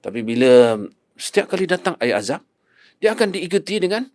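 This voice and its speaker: A man's voice: on the high side, sing-song, fairly quick, darkish tone, no echo, clean studio sound. A man with a Malaysian Malay accent, a podcast guest, earnestly recounting his faith testimony and repeating his own past prayers.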